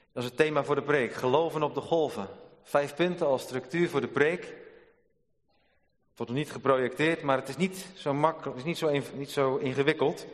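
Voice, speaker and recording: A man preaching a sermon in a church, deliberate and repeating key phrases for emphasis. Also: mid-range voice. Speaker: pastor. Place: church sanctuary. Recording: long church hall reverb.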